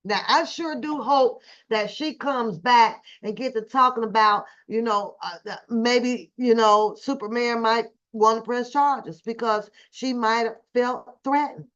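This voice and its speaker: A woman's voice: on the high side, measured pace, few pauses, fairly bright tone. An American woman hosting a casual livestream, commenting on video clips indignantly and repeating phrases for emphasis. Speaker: livestream host. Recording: dull, lo-fi livestream audio.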